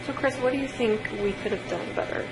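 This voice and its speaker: A woman's voice: on the high side, fast, noisy background. A woman asking questions as an investigator in a conversational interview.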